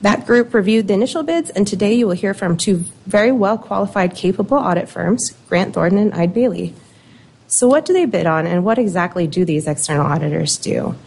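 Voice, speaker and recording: A woman with a slightly squeaky voice, an internal auditor giving measured, explanatory prepared remarks at a public meeting. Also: lively intonation, vocal fry, darkish tone. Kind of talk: formal committee presentation.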